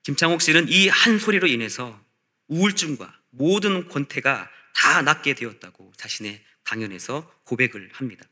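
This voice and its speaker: A man preaching a sermon as a pastor, in measured rhetorical phrases with repetition. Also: fairly high pitch, lively intonation, sharp tone. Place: church service.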